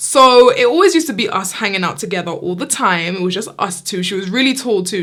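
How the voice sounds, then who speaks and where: A woman with an American accent, plus audible room echo. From Florida, US. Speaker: YouTuber. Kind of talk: storytelling vlog. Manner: animated.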